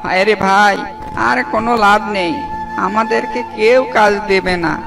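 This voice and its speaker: A man's voice: high-pitched, moderate pace, over music, rough recording. A man voicing a foolish, hapless male jackal in a cartoon, with a fretful, whiny way of talking. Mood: despairing. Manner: fretful, lamenting.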